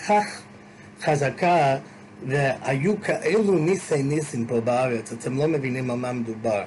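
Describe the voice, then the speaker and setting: A man's very slow speech, with audible room echo. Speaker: rabbi lecturer. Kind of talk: Torah lecture.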